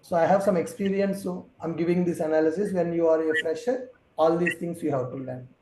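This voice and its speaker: High-voiced male trainer, echoey room. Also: steady tone, brisk, noisy background. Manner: patient, explains step by step. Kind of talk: online class teaching.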